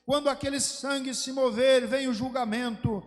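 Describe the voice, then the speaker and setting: A high-pitched man preaches, his voice trailing off into a long, ringing hall reverb. He tells a story with fervor and presses his points with rising emphasis, as a pastor speaking from the pulpit. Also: steady tone, moderate pace. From Brazil. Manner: fervent storytelling preaching that swells into emphatic exhortation. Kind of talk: sermon. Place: church sanctuary.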